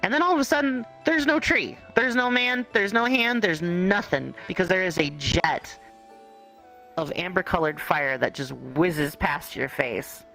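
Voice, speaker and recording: A game master improvising second-person roleplay narration in a conversational, halting way. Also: medium pitch, lively intonation, vocal fry, bright, forceful tone, soft background music, rough recording. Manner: conversational, halting storytelling with hedges.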